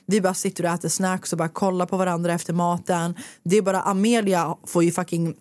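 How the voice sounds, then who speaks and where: A woman, a podcast host talking casually and telling a story in a lively way, acting out what others said. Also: lowish voice, no echo. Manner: animated storytelling, acting out quotes. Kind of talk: casual chat.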